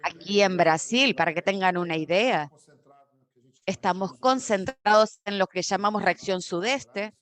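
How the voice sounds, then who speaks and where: A woman giving a simultaneous interpretation of a corporate conference talk, steady but often correcting herself mid-word. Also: mid-range voice, a little slow. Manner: steady with frequent self-corrections and restarts.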